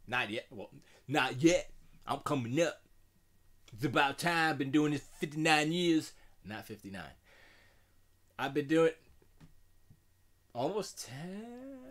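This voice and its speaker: A middle-aged man with a deep voice, chatting casually and rambling in a self-deprecating way while streaming from his home music studio. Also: a bit bright. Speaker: music producer streaming live. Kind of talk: casual live-stream chat.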